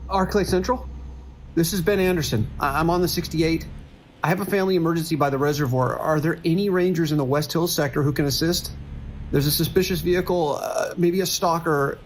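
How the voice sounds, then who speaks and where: A man's voice: fairly high pitch, brisk, slight background noise, close to an everyday voice, rough recording. An actor playing an anxious, earnest male trucker who stammers in a horror radio drama. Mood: worried. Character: worried male trucker, desperate pleading family man.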